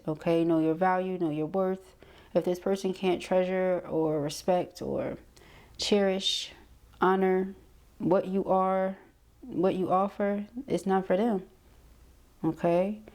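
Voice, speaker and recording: Female tarot reader, lowish mellow voice, conversational delivery with frequent check-ins. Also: fairly even intonation, unhurried. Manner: conversational, punctuated with frequent check-in tags like okay and right. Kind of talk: casual intuitive tarot reading to camera.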